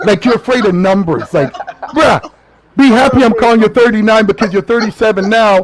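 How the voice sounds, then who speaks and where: A man's high voice at a fairly quick pace, animated in tone, with very even loudness and noticeable background noise. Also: ordinary pitch variation. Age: 50s. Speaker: panelist on a live stream. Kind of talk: casual heated chat.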